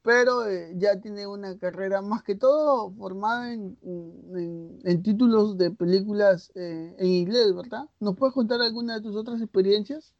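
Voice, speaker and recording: A man from Latin America hosts a podcast and asks his guest questions in an easygoing, curious manner. His voice sits quite high for a man. The recording is dry and muffled. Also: unhurried, hardly any pauses, no echo. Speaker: podcast host. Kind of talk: casual interview.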